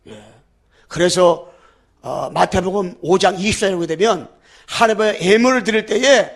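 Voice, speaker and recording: A male pastor preaches with fervor, his voice pitched high and rough with gravel. He swings from loud, shouted declarations down to quiet, low asides, and has the congregation repeat phrases after him. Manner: leads the congregation in call-and-repeat. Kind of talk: sermon.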